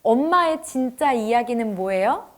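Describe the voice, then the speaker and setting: Animated woman lecturer acting out dialogues. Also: a little high, measured pace. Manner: acts out family dialogues in quoted voices. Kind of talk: lively public lecture.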